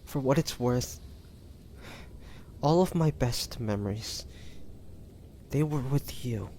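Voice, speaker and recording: A man playing a wounded, devoted young demon hunter in an audio drama, speaking in a halting, breathy, pained way. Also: medium pitch, animated, warm tone, a little hiss or hum. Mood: tender, dying. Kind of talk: dramatic audio roleplay acting.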